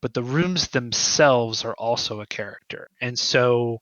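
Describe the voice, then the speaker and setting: Guy writer getting interviewed, bright forward voice, halting and thoughtful, dry slightly muffled audio. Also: medium pitch, dry recording. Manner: thoughtful, halting, often checks with "right?". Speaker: guest writer. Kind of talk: conversational interview, explaining ideas.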